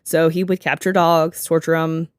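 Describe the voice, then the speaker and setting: A woman hosting a casual podcast chat, sarcastic and quick to laugh, swearing freely as she tells the story. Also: low-pitched, level tone, clean tone, no room sound, clean studio sound. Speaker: podcast host.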